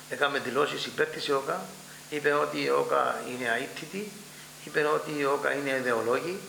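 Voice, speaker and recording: Gravelly older Cypriot man reminiscing. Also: mid-range voice. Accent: Cypriot Greek. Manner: animated storytelling, acts out dialogue. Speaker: interviewee. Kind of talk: oral history recollection. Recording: echoey room with faint hum.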